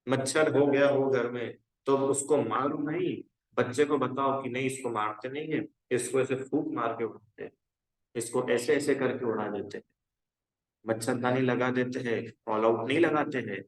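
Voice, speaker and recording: A man's voice: mid-range voice, fairly even intonation, moderate pace, reverberant, poor audio. A man teaching a casual religion class to young people, talking conversationally, urging them on and often checking whether they follow. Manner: conversational and exhorting, asks the class checking questions. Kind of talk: casual spoken lesson to a youth class.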